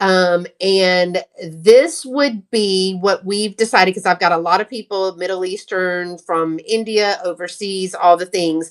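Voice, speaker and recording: A woman's medium-pitched voice in a Southern US accent, fairly slow with fairly even intonation and hardly any pauses. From US South, Texas. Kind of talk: casual livestream chat.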